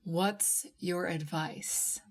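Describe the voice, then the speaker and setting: A woman voicing a weary, wry male radio therapist in an audiobook, speaking in a slow and laconic manner. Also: fairly low pitch, steady tone. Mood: weary, firm.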